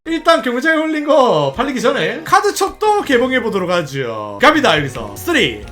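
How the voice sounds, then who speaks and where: A gaming channel host giving casual commentary as they play, excitable, laughing often, pleading with the game and talking straight to viewers. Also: mid-range voice, moderate pace, faint music behind. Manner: talks directly to viewers.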